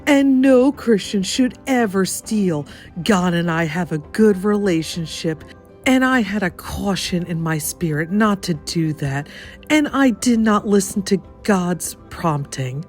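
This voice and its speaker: A woman's voice: mid-range voice, expressive, a little slow, faint music behind, close to an everyday voice. A woman voicing an earnest, apologetic Christian husband in a dramatic story reading, pleading and confessing with emphasis.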